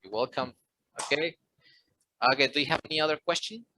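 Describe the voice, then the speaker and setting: A man's voice: fairly high pitch, moderate pace, pushed and bright, no room sound. A man teaching a language class, explaining grammar points and checking whether students understood. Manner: switches between Spanish explanations and simple classroom English. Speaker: English teacher. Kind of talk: online class instruction.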